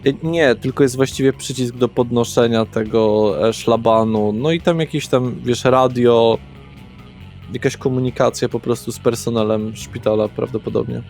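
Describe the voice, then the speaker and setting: A man's voice: mid-range voice, steady tone, moderate pace, a little mellow. A man narrating a tabletop roleplaying session as game master, explaining things in a conversational way. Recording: background music with guitar. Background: guitar music.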